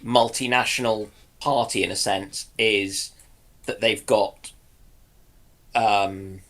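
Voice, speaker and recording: A man's voice: lowish voice, steady tone, slow pace, fairly bright tone. A man chatting casually as a panelist, tentative and searching for his words as he makes his point. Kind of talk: casual discussion.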